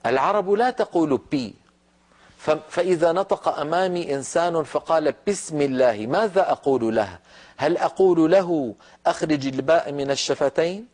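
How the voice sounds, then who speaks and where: A man teaching Quran recitation in a televised lesson, explaining letter sounds in a measured, deliberate way and demonstrating them slowly. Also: a little high, darkish tone.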